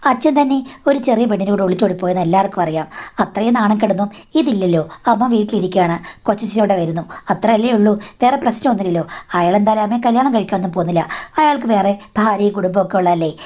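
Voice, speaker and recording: A woman's voice: mid-range voice, a little mellow, natural voice. A woman narrator voicing a blunt young daughter who talks in a casual, dismissive, matter-of-fact way.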